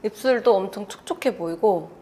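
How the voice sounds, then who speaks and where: A woman's voice: mid-range voice, brisk. A woman, chatting casually and expressively to camera as a beauty and fashion vlogger. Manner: chatty, expressive, uses cute sound words. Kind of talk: casual chat to camera, showing bag contents. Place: indoors, living room at home.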